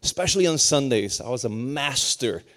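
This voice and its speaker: A man in his thirties from Puerto Rico, preaching a sermon with humor and rising intensity. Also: moderate pace. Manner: lively, humorous preaching that climbs higher and more intense as it goes. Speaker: pastor.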